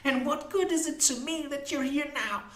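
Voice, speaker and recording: A man voicing a fierce, bitter, sharp-tongued ragged woman past her youth in a fantasy storybook. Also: extremely high pitch, moderate pace, reverberant, pitched above the performer's own voice. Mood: bitter, anguished. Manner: scolding, sharp-tongued, emotional.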